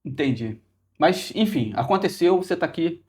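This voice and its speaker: High-voiced playful Brazilian podcast host. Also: male voice, normal speed. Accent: Brazilian Portuguese, Rio de Janeiro area. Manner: playful, joking, animated. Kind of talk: casual interview chat.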